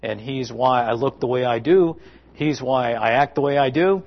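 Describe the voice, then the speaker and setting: Folksy rambling preacher man, lo-fi. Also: medium pitch. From South Florida. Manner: rambling, halting, folksy asides to the congregation. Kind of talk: conversational sermon with family stories.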